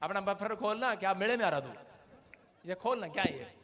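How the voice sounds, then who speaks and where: High, bright-voiced joking pastor man. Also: lively intonation, normal speed. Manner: joking, bossy, directs people and the camera. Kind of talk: playful deliverance sermon in church. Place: church service before a congregation.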